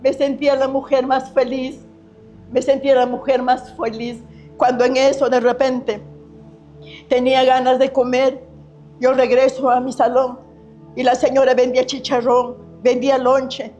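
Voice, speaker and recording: A woman's voice: sits high, level tone, unhurried, warm tone. A middle-aged woman tells her personal faith testimony in an earnest, repetitive way, often restarting her sentences. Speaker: testimony giver. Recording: slightly muffled recording with faint music.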